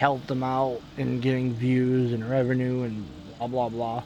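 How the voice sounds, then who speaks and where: Quiet and mumbling, a man speaks fairly slowly at a medium pitch over noticeable background noise. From New York, US (Irish-American). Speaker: gaming streamer. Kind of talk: casual gameplay commentary. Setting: home recording at night. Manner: mumbling, quiet. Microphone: quiet microphone.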